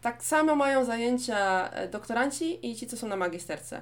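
Pitch shifts in an ordinary way here. It is an ordinary speaking voice. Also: woman. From Poznań, Poland. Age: 30s. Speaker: podcast host, lives in Korea. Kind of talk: casual chat.

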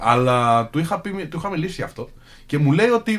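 Very wide pitch swings mark a man's somewhat breathy speech. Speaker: podcast co-host. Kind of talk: casual chat.

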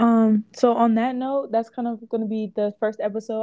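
A woman's normal speaking voice, fairly high in pitch at a moderate pace, dry and close with no echo over a quiet background. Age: young (19). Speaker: college student podcast co-host. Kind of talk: casual chat.

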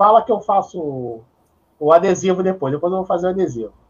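A man with a Rio de Janeiro accent, high-pitched, at a fairly quick pace, with very wide pitch swings. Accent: carioca. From Rio de Janeiro, Brazil. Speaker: YouTube channel host. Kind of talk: casual chat.

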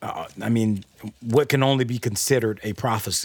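At a fairly slow pace, a man with a Southern US accent talks at medium pitch with ordinary pitch variation. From the Carolinas. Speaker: author and writer. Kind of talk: casual interview conversation. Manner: animated.

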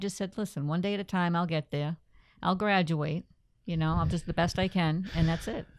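In an ordinary speaking voice, a woman with an American accent talks at a moderate pace and fairly low pitch on a very clean recording with a silent background. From Massachusetts, US. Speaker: nursing professor. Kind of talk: casual interview.

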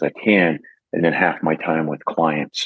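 Here a man speaks in a very deep, low pitch. His pace is moderate. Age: 50s. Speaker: company founder and entrepreneur. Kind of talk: casual interview chat.

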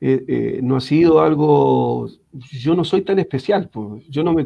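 This man speaks at a fairly slow pace. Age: 60s. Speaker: church elder. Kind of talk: testimony. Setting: video call.

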